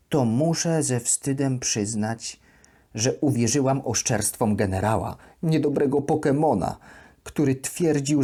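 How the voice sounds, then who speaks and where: A woman voicing a sweet, naive plush duck who tells her diary as a children's bedtime audio story, in an expressive, deliberate way. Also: extremely low pitch, slightly rough, heavily acted. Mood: ashamed, earnest.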